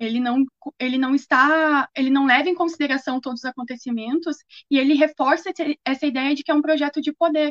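Dry and close with no echo, the voice goes along at a fairly quick pace. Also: woman, high pitch for a woman, fairly even intonation. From Rio Grande do Sul, Passo Fundo. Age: 20s. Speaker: youth political activist. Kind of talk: political discussion.

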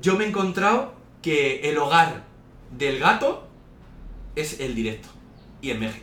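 Amid audible room echo, a man with a fairly high pitch speaks fairly slowly, with very wide pitch swings and long, frequent pauses. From Spain (Madrid area). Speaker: music podcast co-host. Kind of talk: casual chat.

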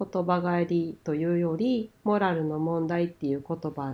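A woman's fairly low-pitched voice, an ordinary speaking voice, at a fairly slow pace with ordinary pitch variation. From Kansai, Japan. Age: 40s. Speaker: podcast co-host, working mother. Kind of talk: casual chat.

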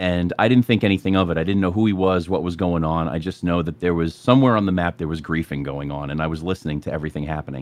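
Very fast delivery with hardly any pauses, ordinary pitch variation, and noticeable background noise. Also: man, very deep, low pitch for a man. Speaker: voice actor and streamer. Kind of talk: casual chat.

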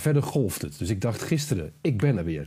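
A man's somewhat breathy voice with a dark, mellow tone, medium pitch, very wide pitch swings and a moderate pace. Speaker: podcast co-host. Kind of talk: casual chat. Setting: at home.

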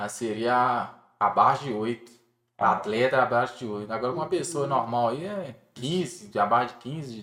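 A man with a bright, sharp tone speaks at medium pitch and a moderate pace, showing ordinary pitch variation. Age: 20s. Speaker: bodybuilder. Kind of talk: casual interview.

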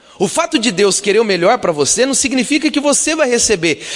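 A man with a Brazilian accent speaks at a moderate pace. His tone is animated. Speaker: pastor. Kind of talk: sermon.

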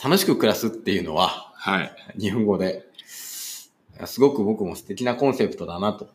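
A man speaks in a normal speaking voice, pitched fairly low, at a moderate pace. His pitch varies in an ordinary way, while his loudness swings widely. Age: 30s. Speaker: self-employed worker, former company employee. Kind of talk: casual chat.

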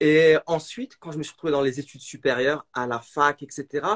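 Man at a moderate pace with a fairly high pitch, the sound dry and close with no echo. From France, raised from age 5 (born in Fès, Morocco). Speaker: maths educator and aeronautics materials engineer. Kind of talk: casual interview chat.

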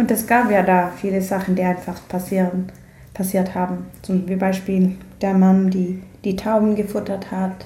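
There is audible room echo as a woman speaks with a non-native accent. Her delivery is fairly slow, with monotone, flat intonation. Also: medium pitch for a woman. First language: not German (speaking German). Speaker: podcast co-host. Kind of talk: casual chat. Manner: halting.

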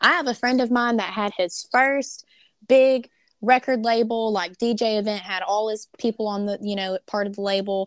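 With an Arkansas accent, a woman speaks at a moderate pace and fairly high pitch, her intonation fairly even, in a dry, close sound with no echo and a quiet background. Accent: Southern US, Arkansas twang. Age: 20s. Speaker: entertainment industry founder and producer. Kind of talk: casual interview chat.

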